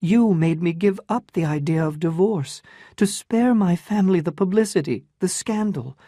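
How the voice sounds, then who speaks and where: A woman's voice: on the low side, normal speed, mellow, no room sound, clean studio sound, voice pushed up, natural voice. A reader voicing an anguished, restrained young woman in a dramatized story reading, with emotional, pleading delivery. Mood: distraught.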